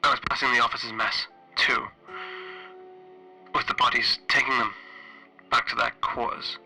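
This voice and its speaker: A man playing a weary, guilt-ridden stranded flight engineer, recording a halting, hesitant horror roleplay log with a radio-like sound. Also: medium pitch, little pitch movement, sharp tone, rough recording. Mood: uneasy, haunted. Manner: halting, hesitant, self-questioning. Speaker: solo tabletop RPG player. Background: music.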